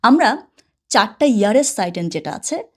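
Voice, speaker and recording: A woman's voice: fairly high pitch, sing-song, moderate pace. A Bengali-speaking woman teaching German, talking casually and often checking with the learner. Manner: keeps asking "okay?" and has the learner repeat after her. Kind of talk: casual spoken lesson.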